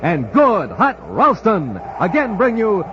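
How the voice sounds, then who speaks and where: A man announcing and selling cereal on a 1950s radio show, in a booming, salesy style, on a hissy old transcription. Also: huge pitch swings, takes it slowly, highs cut off.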